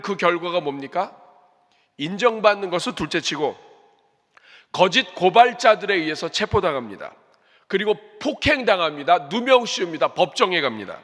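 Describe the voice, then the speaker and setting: High bright-voiced pastor preaching. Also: male voice. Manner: earnest, rhetorical questions to the congregation. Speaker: senior pastor. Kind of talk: sermon. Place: church sanctuary. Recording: reverberant church hall.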